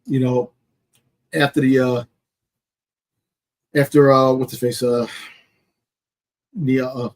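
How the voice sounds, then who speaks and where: A man co-hosting a casual sports discussion, speaking haltingly as he gropes for words. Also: medium pitch, level tone, a little mellow. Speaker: wrestling podcast co-host.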